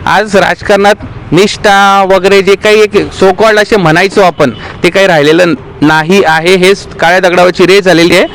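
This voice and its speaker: Local party official, male, higher voice, earnest grievance speech recorded out on the street. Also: fairly even intonation, normal speed, a bit bright, rough recording. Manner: aggrieved, earnest, appealing to party workers. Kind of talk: impassioned statement to the press.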